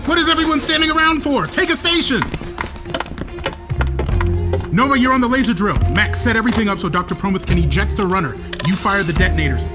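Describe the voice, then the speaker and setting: A brash male starship captain for a sci-fi audio drama. He commands with wry, playful teasing and swings widely in pitch. Prominent music plays behind him. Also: expressive, fast, hardly any pauses. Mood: urgent, commanding.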